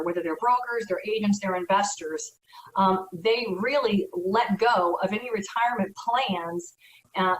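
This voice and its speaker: A woman's voice: medium pitch, a little hiss or hum. A woman, a real estate broker, giving earnest, conversational advice in an educational talk. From United States. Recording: echoey room, from far off.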